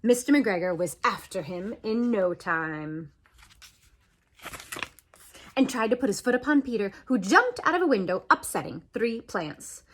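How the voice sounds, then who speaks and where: A woman reading a children's story aloud as an animated narration, expressive, with dramatic swoops and pauses. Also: medium pitch, slight background noise. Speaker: storybook reader.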